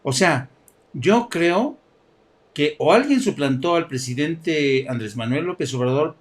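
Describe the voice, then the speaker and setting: Man, political pundit, a bit high-pitched, playful sarcasm, quick to laugh. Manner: mocking, animated, laughs often. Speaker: political commentator.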